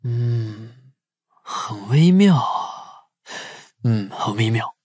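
Guy playing clever playful young investigator in an audio drama, husky, very animated pitch. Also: very slow, no echo, heavily acted. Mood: puzzled. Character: wry, shrewd young male police profiler. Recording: faint music under the voice.

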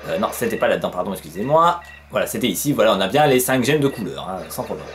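A man's voice: lowish voice, very animated, fast talker. A man giving casual let's play commentary, chatty and peppering his talk with fillers, swearing when surprised. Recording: faint game music behind.

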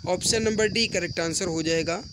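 A man teaching an exam-prep mock test online, reading out questions and answers briskly and addressing viewers as friends, often repeating himself. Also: high voice. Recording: rattling wind noise in the background. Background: wind noise from a storm outside.

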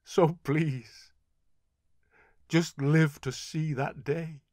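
A man's voice: on the high side, fairly even intonation, drawn-out words, a little mellow, no room sound, clean studio sound, pitched above the performer's own voice. A man voicing a grieving young brother who pleads earnestly. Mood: urgent.

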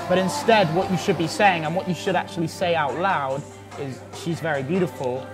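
A man's voice: high-pitched, a little fast, rough recording. A young man coaching someone one-to-one in conversation, with an instructive, emphatic manner. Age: young adult. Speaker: dating coach. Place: busy indoor café or bar. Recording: loud music in busy venue. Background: loud music.

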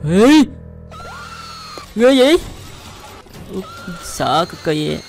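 A man's voice: high-pitched, sing-song, very slow. Young man reacting casually over music. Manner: exclaims often, giggles while commenting. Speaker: YouTube host reacting to animations. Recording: music behind the voice.

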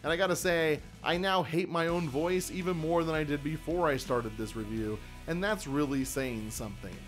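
A man's voice: on the high side, normal speed, soft background music. A man in his thirties giving a casual, self-deprecating product review. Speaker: reviewer and host. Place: small indoor home studio.

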